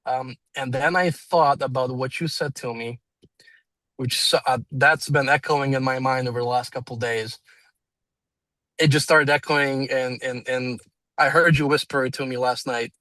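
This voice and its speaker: A man's voice: mid-range voice, fairly even intonation, moderate pace, bright, forceful tone, no echo, low-quality recording. A man in his twenties with a non-native English accent, telling a story in a rambling, self-deprecating way with fillers and laughs. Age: 20s. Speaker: salesman and business owner. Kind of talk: casual conversation, storytelling. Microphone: video call.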